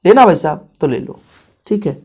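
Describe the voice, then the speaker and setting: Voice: mid-range voice, expressive, moderate pace, a little mellow, breathy edge. A teacher giving a casual exam-prep grammar lesson. The teacher talks straight to the students and repeats key points for emphasis.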